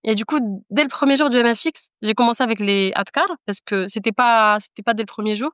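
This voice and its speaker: Woman podcast guest, kinda high voice, earnest n emphatic, repeats herself, really dry close sound. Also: quick pace, fairly bright tone, no room sound. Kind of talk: personal testimony in casual conversation.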